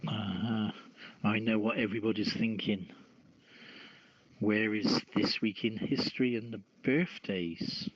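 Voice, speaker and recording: A man hosting a news podcast, reading stories aloud in a halting way with stumbles. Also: on the low side, steady tone, a little hiss or hum. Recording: dull lo-fi, dry close sound.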